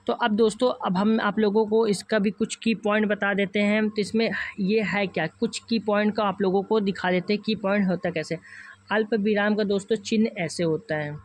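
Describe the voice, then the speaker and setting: A man's voice: sits high, steady tone, moderate pace. A man teaching an online exam-prep class with a north Indian Hindi accent, calling his viewers friends and going through each option patiently and repeatedly.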